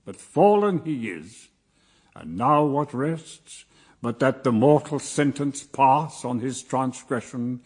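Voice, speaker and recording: Husky, majestic God the Father. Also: mid-range voice, expressive, slow pace, darkish tone. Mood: stern, judging. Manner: stately, pronouncing, grandly declamatory. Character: God the Father, solemn, majestic almighty judge. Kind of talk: classical verse radio drama acting.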